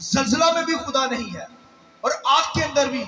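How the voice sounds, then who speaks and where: A man speaks in a raised, projected voice. Noticeable background noise runs behind him. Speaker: preacher. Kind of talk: church sermon.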